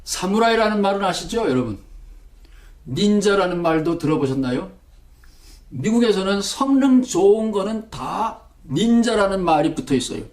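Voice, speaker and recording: A man from Gangwon Province, Korea, giving an online theology lecture and telling stories with lively acted-out quotes. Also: sits high, moderate pace. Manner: animated storytelling, acting out quoted remarks.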